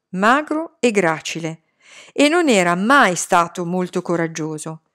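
A woman reading a novel aloud in an expressive storytelling manner. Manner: expressive storytelling, lively pitch. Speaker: audiobook reader. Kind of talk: scripted narration of a novel.

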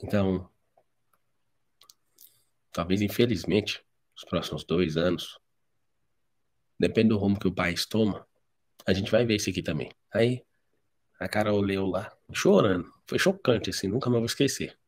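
A man's voice: fairly low pitch, unhurried, pauses often, breathy edge. A man with a Brazilian Portuguese accent, preaching a live devotional sermon, telling stories bluntly and directly.

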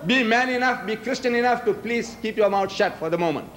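An older man whose first language is Gujarati argues emphatically at a podium in a large hall, firing rhetorical questions at the audience during a public debate speech. His voice sits high, fairly quick and fairly bright, picked up by podium microphones with slight background noise.

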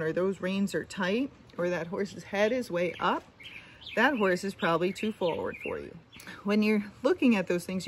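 A woman's voice: lowish voice, a little hiss or hum. A middle-aged woman horse trainer talking to camera outdoors, giving practical advice and repeating her points. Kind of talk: instructional talk to camera. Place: outdoor deck among trees. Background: birdsong and outdoor ambience.

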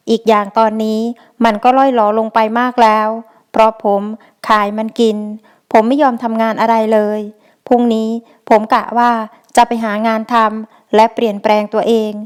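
Brief: female audiobook narrator, steady storytelling, clean smooth voice, slightly high. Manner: steady storytelling, reading a male first-person narrator.

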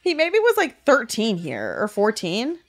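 A woman's voice: fairly high pitch, wildly swooping pitch, unhurried. A woman in her twenties co-hosting a podcast in casual, sweary, slangy chat on a close studio microphone. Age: 20s. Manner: slangy, sweary, with heavy filler "like". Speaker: podcast co-host. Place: small room, indoors. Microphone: podcast microphone on boom arm.

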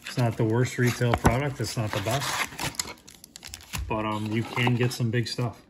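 A man in his thirties giving casual, low-key commentary while opening packs at a shop counter, naming each player as it comes up. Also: little pitch movement, measured pace, heavy background noise.

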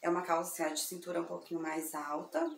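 A chatty woman with a slightly lower voice, a little hoarse from sleep, gushes over each piece of clothing. She talks right to her viewers in a casual product showcase. The room is echoey, with a faint hum behind her. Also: little pitch movement, quick pace. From Brazil. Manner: chatty, effusive, addresses viewers as girls. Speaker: online thrift seller.

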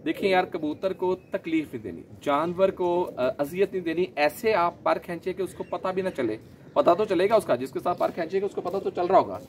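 A man, gently explaining his pigeon keeping in a casual vlog, a little hoarse from a sore throat. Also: high-pitched, normal speed, a little hiss or hum. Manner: chatty, gentle, explains while handling birds. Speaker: pigeon keeper vlogger. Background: pigeons cooing.

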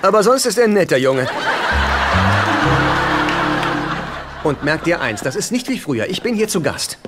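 Whiny, high-voiced middle-aged sitcom dad. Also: male voice, very animated, fast talker, over loud music. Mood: nagging. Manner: fussy, flustered. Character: whiny, pleading, freeloading middle-aged father. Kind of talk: dubbed sitcom acting. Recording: sitcom soundtrack with noisy laughter behind.

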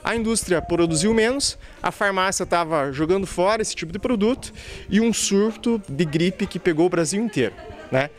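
A man in his thirties with a slightly high voice answers a reporter's questions on a pharmacy floor. He explains things patiently, speaks into a handheld mic and keeps checking in with short tag questions. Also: expressive, normal speed, faint music behind. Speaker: pharmacy representative interviewed. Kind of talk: news interview answer. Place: pharmacy shop floor, indoors.

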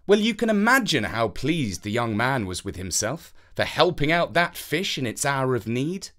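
A woman narrating a children's fairytale as an expressive storyteller. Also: extremely low pitch, normal speed.

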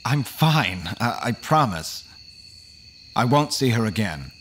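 An actor playing an earnest, haunted man who recounts his horror story in measured, dramatic first-person audio drama narration. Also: on the low side, big pitch swings, slight background noise. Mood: worried, earnest.

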